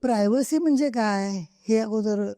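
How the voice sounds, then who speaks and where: A middle-aged woman with a fairly high, warm-toned voice speaks as a guest author on a podcast. She is earnest and emphatic, repeating points to drive them home. The sound is close and dry. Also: moderate pace, no room sound. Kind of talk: conversational interview answers. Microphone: podcast microphone.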